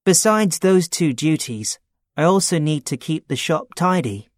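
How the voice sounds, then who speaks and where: A man playing a young man looking for a part-time job, talking in a plain, steady, matter-of-fact way in a scripted dialogue. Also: on the high side, measured pace, dry recording, clean studio sound. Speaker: student character in a listening test.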